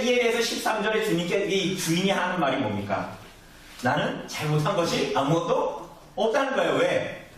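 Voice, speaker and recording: A male pastor preaches in a lively, sing-song way, his fairly high voice rising and falling as he quizzes the congregation. The mic is set back from him, and a heavy church echo hangs on every word. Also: distant mic. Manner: conversational preaching, asks the congregation questions. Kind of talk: sermon. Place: church sanctuary. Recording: echoey church recorded from afar.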